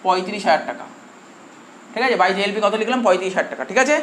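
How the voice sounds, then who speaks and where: A man's voice: sits high, expressive, racing, fairly bright tone. A male commerce teacher with a Bengali accent, lecturing a class and constantly quizzing his students with repeated questions. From India. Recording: echoey room with faint noise.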